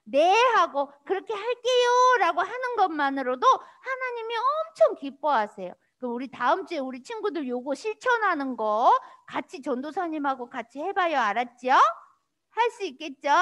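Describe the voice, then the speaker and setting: High, lively woman preaching to young children. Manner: animated, sing-song, talks to young children with questions. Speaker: children's ministry pastor. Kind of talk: children's sermon. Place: church children's worship room.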